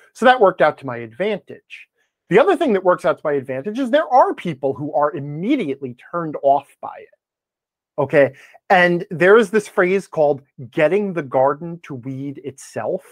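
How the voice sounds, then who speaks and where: A man's voice: fairly high pitch, dry recording. A man talking casually as an interview guest, telling anecdotes in an emphatic way and punctuating his points. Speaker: guest, tabletop gaming blogger.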